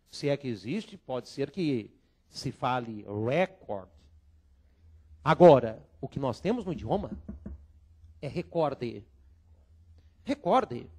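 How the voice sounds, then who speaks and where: Animated man lecturing on grammar. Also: a little high. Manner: animated, drills students with call-and-response repetition. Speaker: law exam teacher. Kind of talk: classroom lecture on Portuguese grammar. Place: lecture room filmed for a course.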